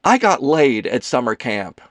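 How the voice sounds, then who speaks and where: A man's voice: medium pitch, very animated, a little slow, dry recording, clean studio sound. A man voicing a short young gay man in an audiobook, polite but guarded, plain-spoken and lightly wry. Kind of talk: audiobook character dialogue.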